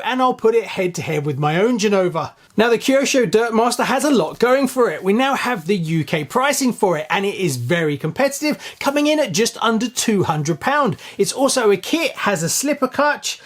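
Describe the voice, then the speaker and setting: A man hosting his own channel, giving a casual, chatty news roundup straight to his viewers with open enthusiasm. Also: high voice. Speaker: channel host.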